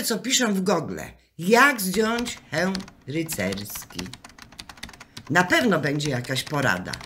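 A woman's voice: mid-range voice, pushed and bright, heavily acted. A woman playing a chatty, fussing, cheerfully muddled wife in an amateur radio comedy, coaxing and exclaiming.

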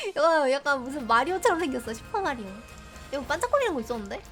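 A young woman chats her way through a video game, reacting loudly and laughing often as she teases her viewers. Her voice sits high and swings widely in pitch. Clear game music plays behind her. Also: very animated, fast talker. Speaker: game streamer. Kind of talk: casual let's-play commentary.

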